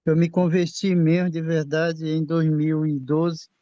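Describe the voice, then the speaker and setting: A man in his sixties from Brazil, telling his own faith testimony in a halting way, often repeating and restarting his words. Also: a little high, flat delivery, warm tone, no echo. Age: 60s. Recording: dull lo-fi sound.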